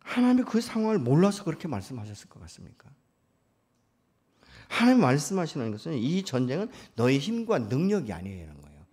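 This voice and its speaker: Husky-voiced pastor guy preaching, voice swoops way up and down, keeps asking the congregation stuff. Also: a little high, huge pitch swings, fairly quick, a little mellow. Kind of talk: sermon at a prayer meeting.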